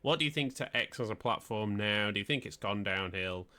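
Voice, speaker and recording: A man's voice: lowish voice, brisk. A man co-hosting a podcast, reading news headlines and chatting about them loosely. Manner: relaxed, reads headlines then chats loosely. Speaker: podcast co-host. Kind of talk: casual chat, reading news items.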